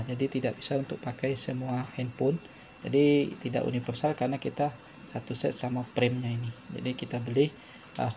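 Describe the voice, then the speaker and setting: A man explains a hands-on repair step by step, unscripted and halting, repeating himself as he goes. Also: mid-range voice, gravelly, mellow, slight background noise. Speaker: phone repair tutorial presenter.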